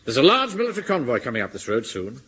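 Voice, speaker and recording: An actor playing a pompous, blustering middle-aged captain in a radio comedy. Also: male voice, mid-range voice, huge pitch swings, rapid-fire, a bit bright, a little hiss or hum.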